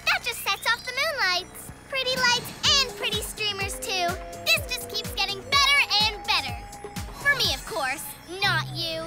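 A performer voicing a gloating, mischievous young villain girl in a cartoon, with a taunting, smug, drawn-out delivery. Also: very high-pitched, very animated. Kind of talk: animated cartoon voice acting. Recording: loud children's music underneath.

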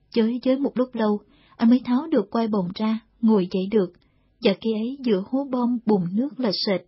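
A woman narrating a war novel in a steady, measured storytelling read, in a dull lo-fi audiobook recording. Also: a little high, breathy edge, no echo.

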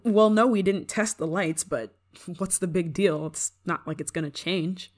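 A woman's voice: lowish voice, normal speed, close to an everyday voice. A woman playing a prickly, homesick young performer in an ASMR roleplay, grudging in manner but secretly fond of an old friend. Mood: reluctant. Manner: tsundere, grudging, sighing, secretly affectionate. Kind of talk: ASMR roleplay, acted monologue to listener.

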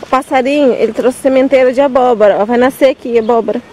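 A woman's voice: on the high side, steady tone, fast, dark tone, low-quality recording. Chatty Brazilian woman vlogging outdoors. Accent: Brazilian Portuguese. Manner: chatty, addresses viewers often, points things out. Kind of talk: casual vlog chat to viewers. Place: outdoors in a vegetable garden on a farm.

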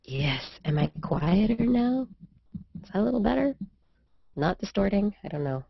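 A woman in her thirties, hoarse from a cold, co-hosts a casual live science chat from a small room at home. Her low voice is full of gravelly fry, and she trails off and restarts her thoughts as she talks. The sound is dry and muffled, like a lo-fi webcast feed. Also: very animated, normal speed, no echo. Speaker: science show co-host. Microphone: desk studio mic, video call. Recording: dull lo-fi webcast audio.

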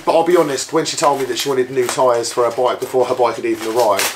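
A hoarse man in his thirties chatting casually to camera about bikes in a small living room. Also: medium pitch, fairly even intonation, fast, noisy background. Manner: chatty, upbeat, full of filler "like"s. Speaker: bike vlogger. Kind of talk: casual vlog chat to camera. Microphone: camera close up.

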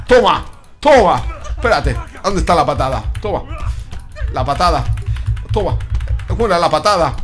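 A young man doing excited, joking gameplay commentary, shouting sound effects as he plays. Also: on the high side. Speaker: gaming YouTuber.

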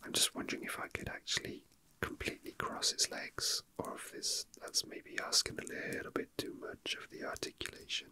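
A young man whispering softly and breathily in an unhurried, halting ASMR murmur, as if casually commenting while his hands are busy. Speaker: ASMR video host. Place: indoors at a tabletop.

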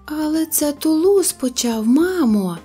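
A woman's voice: fairly high pitch, lively intonation, unhurried, a little mellow, faint music behind, voice pushed up. A woman voicing a prim little girl kitten in an audio storybook, pleading and indignant. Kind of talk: storybook character voice.

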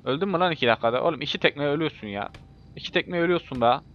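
A man commentating a racing game in a casual, excitable way, swearing and yelling when he crashes. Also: a little high, rapid-fire. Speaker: gameplay video host. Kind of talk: live gameplay commentary. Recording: muffled lo-fi mic with faint hiss.

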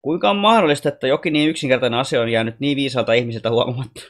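A man's voice: mid-range voice, natural voice. A curious human boy from Earth, full of questions and a little unsure, as a man reads him. His questions come out plainly and earnestly, in the manner of a storybook child. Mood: curious, doubting.

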